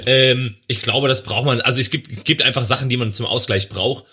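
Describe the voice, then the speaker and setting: A man's voice: mid-range voice, fairly even intonation, brisk, pushed and bright, husky. A man co-hosting a podcast in casual chat, rambling with lots of fillers and restarts. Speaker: podcast co-host.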